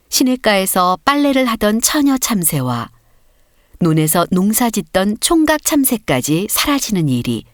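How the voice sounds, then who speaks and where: Female audiobook narrator, lowish voice, lively intonation, scripted storytelling, expressive. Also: dry recording, studio quality.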